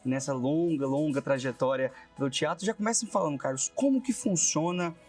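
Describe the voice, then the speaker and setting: A man's voice: fairly high pitch, brisk, a little mellow. A man with a Brazilian accent presenting playfully and chattily as a reporter. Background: music.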